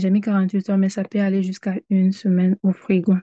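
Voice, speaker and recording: In a dry, close recording with no echo and a quiet background, a woman speaks with a dark, mellow tone and a somewhat breathy quality. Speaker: skincare instructor. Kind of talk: tutorial. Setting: recorded on computer.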